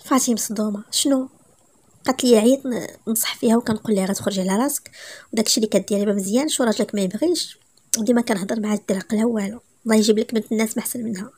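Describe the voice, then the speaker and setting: A woman with a Moroccan accent reading a romance story aloud, briskly voicing each character in turn. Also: on the high side, a little mellow, breathy edge.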